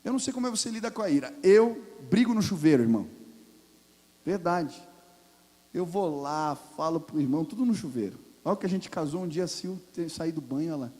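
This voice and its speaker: A Brazilian man preaching a sermon in a church, telling personal stories with sudden loud bursts. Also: fairly high pitch, a little fast, big-room sound. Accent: Brazilian Portuguese. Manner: animated, confessional, storytelling with sudden loud peaks. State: hoarse from throat infection. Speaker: pastor. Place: church sanctuary.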